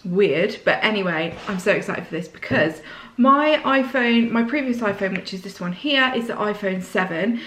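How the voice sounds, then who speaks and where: A woman vlogger with a slight sore throat, chatting excitedly through a casual unboxing indoors. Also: medium pitch, roomy sound, slight background noise.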